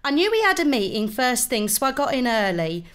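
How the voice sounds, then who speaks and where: A woman's voice: fairly high pitch, sing-song, brisk. A British woman playing a cheeky, confiding female office worker in a scripted comic radio advert. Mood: coy, confiding. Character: cheeky female office worker making innuendo-laden confession.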